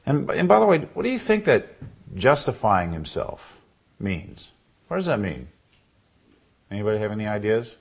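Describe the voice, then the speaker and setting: A man preaching a sermon in a church, asking the congregation questions as he goes, with a husky baritone voice. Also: wildly swooping pitch, moderate pace, long pauses. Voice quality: husky with a cough. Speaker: pastor. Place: church sanctuary.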